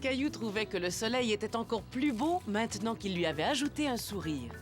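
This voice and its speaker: A woman performing as the gentle, expressive storyteller of a cartoon for young children. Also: fairly high pitch, brisk, lightly acted. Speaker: narrator. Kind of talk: scripted children's story narration. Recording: music behind the voice.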